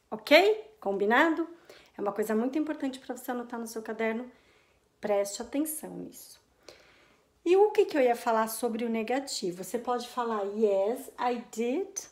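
A Brazilian woman teaching English in a casual online lesson, checking in often with her students and drawing out her English example phrases. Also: on the high side. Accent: Brazilian Portuguese. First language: Portuguese. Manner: chatty, checks in often with "ok?" and "combinado?".

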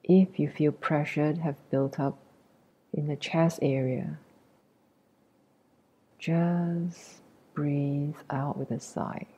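Slow soft woman doing guided meditation, dark mellow breathy voice, gentle with long gaps, kinda muffled audio. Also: sits low, fairly even intonation. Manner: gentle, unhurried, long pauses between short phrases. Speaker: meditation teacher.

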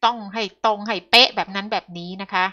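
A woman's voice: medium pitch, fairly even intonation, fast talker, bright, forceful tone, highs cut off. A woman commenting on the news in a talk show, polite at first and growing heated and emphatic.

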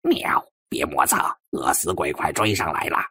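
Bossy black cat for audiobook fantasy, male performer: irritable, loud scolder, raspy, meowing, dry close recording. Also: a bass voice, animated, moderate pace, no echo, voice pushed down, full character voice. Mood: irritable, scolding. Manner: scolding, loud, punctuates speech with meows.

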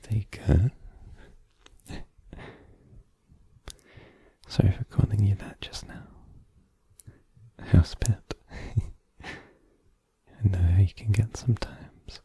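A man's voice: fairly low pitch, steady tone, takes it slowly, pauses often, dark tone, slightly rough, full character voice. A young man voicing an easygoing boyfriend in an ASMR roleplay, hesitant and filler-heavy, turning teasing. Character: easygoing young adult boyfriend hosting friends.

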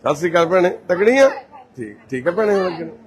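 A man's voice: high voice, expressive, fast talker. Man reassuring patients on camera. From Punjab, India. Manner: gentle and reassuring, calls people mother and brother. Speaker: volunteer host of a care society. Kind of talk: casual on-camera walkthrough talk.

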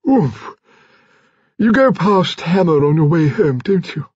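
Man putting on an imperious old lady, high-pitched. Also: big pitch swings, slow pace, a little mellow, slightly rough, no echo, lo-fi sound, full character voice. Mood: imperious, prying. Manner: peremptory, grand. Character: imperious old aristocratic lady, bossy and nosy.

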